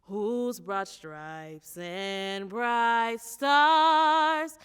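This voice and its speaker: A woman sings a national anthem solo, holding each note long in sustained, drawn-out phrasing. Her voice is high and bright. A long hall reverb and music surround her. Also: clean tone. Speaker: anthem singer.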